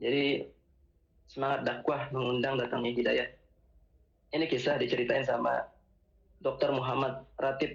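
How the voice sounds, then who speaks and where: A man talking at a moderate pace. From Lombok, Indonesia. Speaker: religious speaker. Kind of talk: religious talk, storytelling. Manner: casual, conversational.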